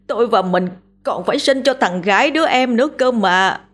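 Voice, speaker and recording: A woman's voice: a little high, animated, unhurried, a bit bright, pitched above the performer's own voice. A woman voicing a grieving village husband who wails and sobs over his dead wife. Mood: wailing grief. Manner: wailing, sobbing lament. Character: grieving middle-aged village husband wailing.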